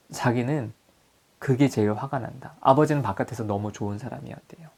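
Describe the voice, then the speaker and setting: A man's voice: mid-range voice, gravelly. A man giving a psychology lecture as a group counselor, putting questions to his audience. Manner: animated, asks the audience questions.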